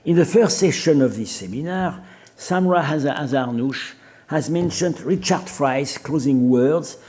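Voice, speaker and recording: A man with a French accent giving an academic seminar lecture, reading quotations and pausing often with fillers and restarts. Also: a little high, dark tone. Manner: measured, hesitant with fillers and restarts.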